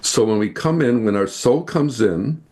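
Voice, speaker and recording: A man from the United States, a guest in an interview, earnestly explaining ideas and slowing down to stress his points. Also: mid-range voice, lively intonation, darkish tone, slight background noise. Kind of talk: spiritual interview talk.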